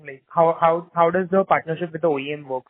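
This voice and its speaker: A man's voice: a little high, fairly even intonation, fast. Man asking questions over a tinny phone line. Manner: polite, calls the others sir. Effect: heard over the phone. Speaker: analyst asking questions on a conference call. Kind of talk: polite questioning on a call.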